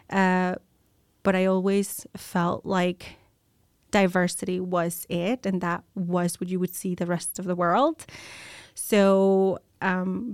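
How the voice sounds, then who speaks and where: A woman's voice: on the low side, a little mellow, dry recording, clean studio sound. An American woman, a nurse, telling her personal story as an interview guest, reflective and candid, with many ums and restarts. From United States.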